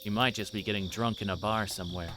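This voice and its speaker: Low-voiced dogged older detective acted by a man. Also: fairly even intonation, quick pace, noisy background, lightly acted. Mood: grim, determined. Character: dogged older male police detective nearing retirement.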